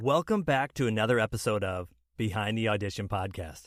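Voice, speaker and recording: This is a normal speaking voice with ordinary pitch variation at a fairly quick pace. The recording is very clean, with a silent background. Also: man. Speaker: voice actor. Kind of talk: podcast host interview.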